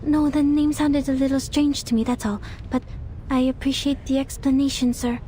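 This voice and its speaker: A woman's voice: high-pitched, fairly even intonation, moderate pace, dark tone, slight background noise, close to an everyday voice. A woman voicing an inquisitive, observant young woman in a video game, with a musing, polite manner. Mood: polite, hesitant.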